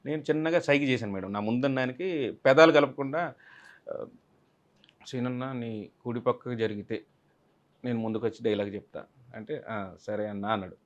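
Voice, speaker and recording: A man's voice: medium pitch, normal speed, pauses often, lo-fi sound. A man, an actor being interviewed, telling a film-set story animatedly and acting out other people's lines. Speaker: actor guest.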